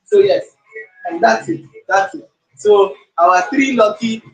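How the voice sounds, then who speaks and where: A man's voice: sits high, very animated, takes it slowly. A man coaching a live public speaking workshop, repeating phrases and hyping up his audience. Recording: echoey room with faint music.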